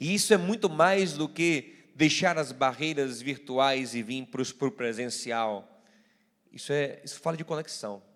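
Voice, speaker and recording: With a plain, everyday voice, a man speaks at a fairly high pitch and a fairly slow pace. His intonation is lively, on a very clean recording with a silent background. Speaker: pastor. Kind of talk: sermon.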